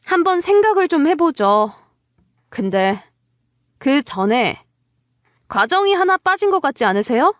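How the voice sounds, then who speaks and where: A woman's voice: sits high, sing-song, measured pace, long pauses, no room sound, studio quality. A woman voicing a wronged young wife in a story, cold, curt and sarcastic. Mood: measured.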